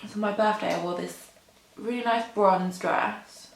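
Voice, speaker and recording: A woman's voice: medium pitch, fairly even intonation, measured pace, vocal fry, a little hiss or hum. A young woman in her twenties chats to camera while getting ready, drawing out her words unhurriedly. She rambles and pokes fun at herself, with plenty of fillers. Her voice rings a little in an echoey room. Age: 20s. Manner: rambling, self-deprecating, lots of "like" and "um". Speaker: beauty vlogger. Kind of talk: chatty get-ready-with-me rambling. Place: indoor room at a mirror.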